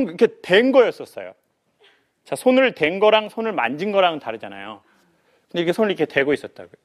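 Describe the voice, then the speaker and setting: A man giving a humorous life lecture to an audience, playful and animated, often acting out other people's voices. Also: sits high.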